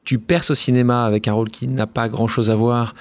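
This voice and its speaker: A man's voice: medium pitch, little pitch movement, a little fast, no room sound. A male podcast host asking questions, prompting his guest with short cues and finishing his sentences. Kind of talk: interviewer prompting.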